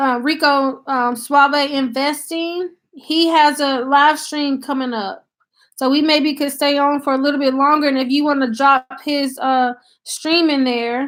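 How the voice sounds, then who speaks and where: A woman with a Southern US accent speaks at a fairly slow pace. Her high pitch stays monotone and flat. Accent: country Southern. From US South, Tennessee. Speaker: YouTuber. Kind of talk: live stream chat. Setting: live stream. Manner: casual, chatty.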